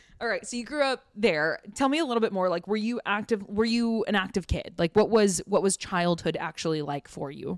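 A woman with an unremarkable speaking voice talks at a fairly quick pace and medium pitch, with lively intonation and hardly any pauses, in a very clean recording with a silent background and a dry, close sound with no echo. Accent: American. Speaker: podcast host. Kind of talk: casual interview chat.

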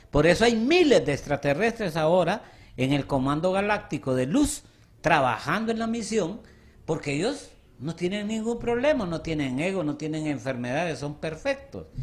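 A high-pitched man's voice with very wide pitch swings, at a moderate pace. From Honduras, Santa Bárbara. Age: 60s. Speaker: alien contactee and naturopath. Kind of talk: testimony.

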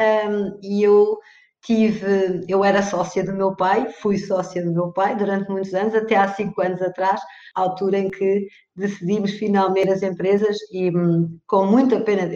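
A woman's medium-pitched voice carries a monotone, flat intonation at a moderate pace. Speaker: business angel investor and lawyer. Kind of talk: casual interview.

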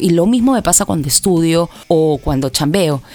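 Against noticeable background noise, a woman with a fairly low pitch speaks in very wide pitch swings. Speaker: podcast host. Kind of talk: casual monologue. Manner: sleepy, soft delivery.

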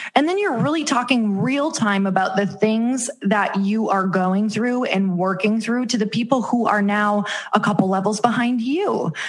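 Over noticeable background noise and audible room echo, a woman with an American accent speaks at a fairly high pitch and a moderate pace, with ordinary pitch variation and hardly any pauses. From Michigan (Upper Peninsula). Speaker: entrepreneur and podcaster. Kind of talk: interview. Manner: animated.

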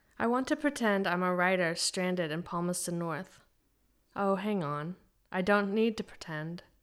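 The speaker talks at a moderate pace with ordinary pitch variation. The recording is very clean, with a silent background. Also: woman, medium pitch for a woman. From California. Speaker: writer. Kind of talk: casual conversation.

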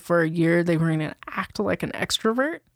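A woman's fairly even intonation in a Californian accent, on a very clean recording with a silent background. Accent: Californian American. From Southern California. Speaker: podcast co-host. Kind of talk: casual chat.

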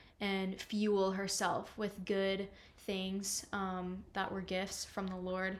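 A woman speaks at a very slow pace with monotone, flat intonation. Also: medium pitch for a woman. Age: 20s. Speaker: college student, host's daughter. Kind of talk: casual chat.

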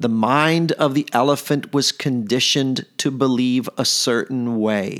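A very slow, medium-pitched man's voice with an American accent, on a very clean recording with a silent background. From Houston, Texas and Mexico. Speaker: podcast host, mindset coach. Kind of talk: motivational monologue.

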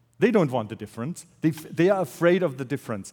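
In a very clean recording with a silent background, a man with a German accent talks with lively intonation. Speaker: truck company employee sharing testimony. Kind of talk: testimony and interview. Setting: church stage with audience.

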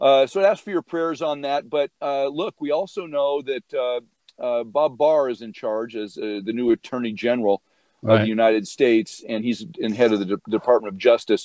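Speaking at a moderate pace, a man with a plain, everyday voice has a medium pitch and lively intonation. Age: 50s. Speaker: anti-abortion activist group leader. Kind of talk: talk radio interview.

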